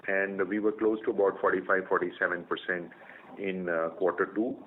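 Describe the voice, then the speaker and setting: A man with an Indian accent, a company executive explaining results in a measured way on an earnings call. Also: low voice, flat delivery. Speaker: company executive answering analysts. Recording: narrow phone line with faint noise.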